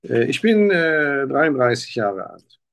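Gravelly-voiced man, hesitant. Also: medium pitch, big pitch swings, takes it slowly, fairly bright tone. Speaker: simulated patient. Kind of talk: role-played doctor-patient practice talk.

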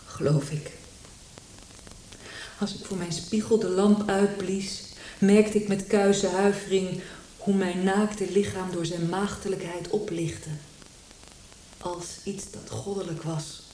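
A woman's voice: on the low side, fairly even intonation, takes it slowly, pauses often, mellow, a little hiss or hum. An actress playing a grief-stricken king's daughter consumed by hatred, declaiming solemnly in a classical tragedy for radio. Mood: anguished, solemn. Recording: echoey hall, distant microphone.

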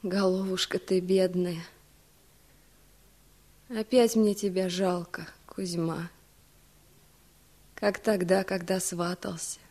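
A woman's voice: lowish voice, steady tone, slow pace, pauses often, mellow. An actress playing an anxious married village woman in a radio drama, pleading, pitying but firm.

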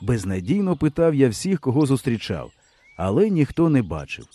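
A man reading a first-person novel aloud with expressive storytelling. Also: medium pitch, normal speed, dry recording. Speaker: audiobook reader. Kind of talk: audiobook narration.

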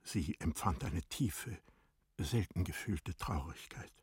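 A man narrating a literary audio drama in a measured, expressive storytelling manner. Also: sits low, husky, no echo, studio quality.

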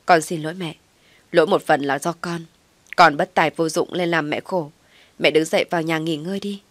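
A meek grown son, voiced by a woman narrator pleads and apologizes in a soft, low voice. The recording is dry and close. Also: steady tone, brisk, no room sound. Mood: pleading.

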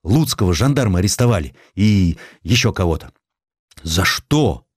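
A man voicing excitable young naval cadets in a historical audiobook, urgent and gossiping. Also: sits low, moderate pace, slightly rough, no echo, clean studio sound. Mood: alarmed. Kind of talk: Russian audiobook character acting.

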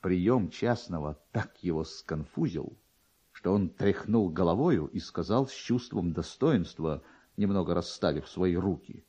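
Dark-voiced, highly expressive male storyteller. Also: a little slow, slightly rough, muffled recording. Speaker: narrator, reader.

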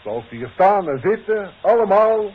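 A man's voice: high voice, sing-song, moderate pace, slightly rough, full character voice. A male actor playing a formal, paternal boss, giving solemn, oratorical speech in a 1960s radio drama. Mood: solemn, proud. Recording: dull 1960s radio recording.

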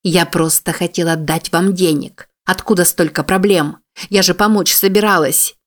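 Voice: medium pitch, steady tone, moderate pace, natural voice. A narrator voicing a panicky, explosive blonde woman driver who shrieks and pleads. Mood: furious.

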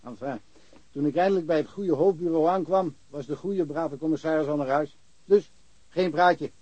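A man acting a small-town cop in a radio play, with a slightly high, mellow voice. He rambles in a wry, dryly humorous way, recorded close and dry. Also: moderate pace, dry recording, muffled recording, natural voice. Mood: dryly amused. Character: chatty, wry small-town policeman, fed up with paperwork. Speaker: actor in a radio crime drama. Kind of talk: naturalistic radio play dialogue.

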